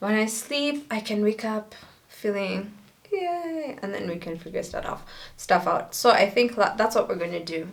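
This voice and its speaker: Noticeable background noise, with very wide swings in pitch and big jumps in loudness. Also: woman, fairly high pitch for a woman, moderate pace. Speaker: vlogger. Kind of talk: casual vlog talk to camera. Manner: halting.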